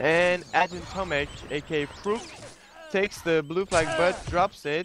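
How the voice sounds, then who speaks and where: A man at a fairly slow pace with noticeable background noise. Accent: non-native. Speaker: esports shoutcaster. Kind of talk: live commentary. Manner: halting, many fillers.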